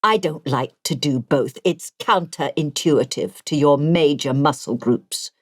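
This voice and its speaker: A woman voicing a precise, genial and rather vain gentleman of eighty in an audiobook, speaking deliberately and with self-satisfaction. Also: low-pitched, no room sound. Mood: matter-of-fact.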